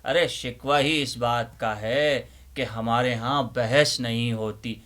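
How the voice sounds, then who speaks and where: A man playing a bookish old librarian uncle, giving theatrical, emphatic Urdu-literature readings with deliberate repetition. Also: mid-range voice, steady tone, a bit bright, natural voice. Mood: earnest, pleading. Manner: emphatic, deliberate, repeats phrases rhetorically. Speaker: host, dramatic reader of Urdu literature. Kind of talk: theatrical dramatic reading and monologue.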